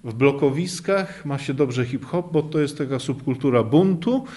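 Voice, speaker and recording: A man's voice: medium pitch, expressive, moderate pace, mellow. A man, a poet and language activist, explaining things at length in an interview, with frequent hesitation fillers along the way.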